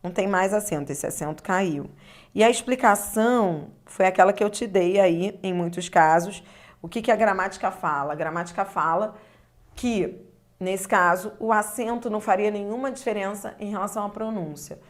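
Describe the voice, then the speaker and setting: A woman's voice: medium pitch, moderate pace. A woman teaching a video grammar lesson, explaining step by step and checking that the listener follows. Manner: explanatory, checks understanding with tag questions.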